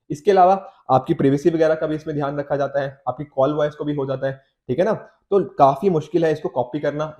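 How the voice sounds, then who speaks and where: The Indian man speaking has a fairly high, warm voice and works as a teacher and exam coach. In Hindi blended with English, he conversationally explains newspaper editorials and keeps checking in with listeners, while a slight cold slightly affects his throat.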